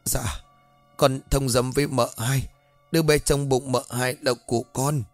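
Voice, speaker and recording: A man's voice: mid-range voice, fairly even intonation, unhurried, no echo, soft background music, close to an everyday voice. A man voicing a beaten, dazed young male servant who meekly repeats what he is told, in a spoken ghost story. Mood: dazed submissive. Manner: dazed, submissive mumbling.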